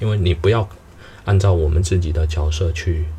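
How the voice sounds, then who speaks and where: The man's voice is very deep and low, and his pace is moderate. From southern China. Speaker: immigration and study-abroad consultant, podcaster. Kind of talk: solo monologue podcast. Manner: halting, many fillers.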